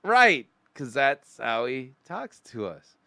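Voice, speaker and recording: A middle-aged man hosts a show critiquing sermons, offering mocking, sarcastic commentary on the clips he plays and frequently acting out mock quotes. His mid-range voice is gravelly and sharp, slow-paced with big pitch swings, captured with studio quality and no echo.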